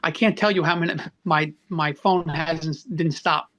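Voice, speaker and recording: Nasal comedian guy in his 30s, kinda high voice, earnest rambling on a video call. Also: steady tone, moderate pace, a bit bright. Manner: earnest, with many restarts. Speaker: stand-up comedian. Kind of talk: casual interview chat.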